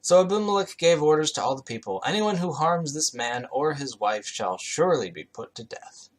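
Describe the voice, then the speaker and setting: A man's voice: a little high, lively intonation, moderate pace. A man reading scripture aloud and commenting on it as host, with offhand, skeptical, sardonic asides. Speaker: reader and commentator, host of the show.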